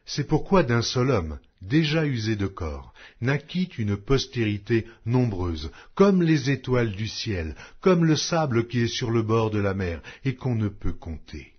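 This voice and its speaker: A man reading scripture aloud as a formal audiobook narration, in a solemn, measured, declamatory way. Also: mid-range voice, big pitch swings, slightly rough, lo-fi sound.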